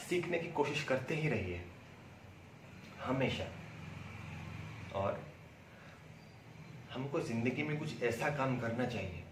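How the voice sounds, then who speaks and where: An Indian man giving a prepared testimonial in a deliberate, emphatic way, with pauses and repeated words. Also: mid-range voice. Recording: roomy echo, distant mic, faint noise.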